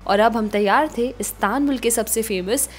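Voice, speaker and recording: A young woman narrating a travel vlog voice-over in a calm, informative storytelling manner. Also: on the high side, normal speed, over music. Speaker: travel vlogger.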